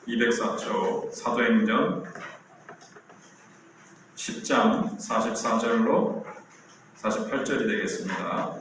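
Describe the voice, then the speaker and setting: A man's voice: fairly low pitch, takes it slowly, long pauses, a bit bright, a little hiss or hum. A man in his sixties, a pastor delivering a sermon in a conversational, storytelling way with rhetorical questions. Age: 60s. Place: church sanctuary. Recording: very echoey church hall.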